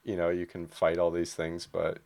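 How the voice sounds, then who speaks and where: A man's voice: deep voice, completely flat delivery, normal speed, gravelly, darkish tone, a little hiss or hum. A man in his early thirties chatting casually about movies, with informal, loose phrasing. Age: early 30s.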